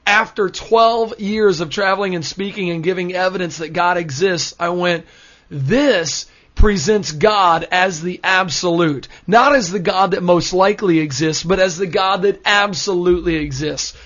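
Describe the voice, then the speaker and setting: An American man in his thirties talks in a studio with an energetic, storytelling manner. His voice sits a little high, and the sound is dull and lo-fi. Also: normal speed. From United States. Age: 30s. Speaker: guest speaker. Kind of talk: studio radio conversation.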